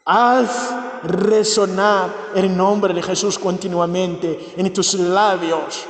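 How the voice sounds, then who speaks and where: A man's voice: high-pitched, steady tone, very slow. A priest, a man who is not a native speaker, preaching a homily at a healing mass with fervent, repeated invocations that rise into exclamations. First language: not Spanish. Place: church. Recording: echoey church with long reverb.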